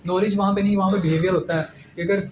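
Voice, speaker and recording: A young man with a high voice gives direct, instructive pointers in an informal lecture. The room rings with echo, and a steady background noise sits clearly under his voice. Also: rapid-fire. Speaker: ISSB candidate giving advice.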